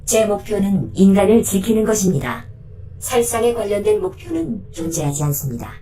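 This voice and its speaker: Mellow, formal protector robot. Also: female voice, mid-range voice, sing-song, far from the mic, faint music behind. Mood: calm, formal. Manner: formal, measured, matter-of-fact reporting. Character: polite, unflappable combat robot turned human protector. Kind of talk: audio drama acting.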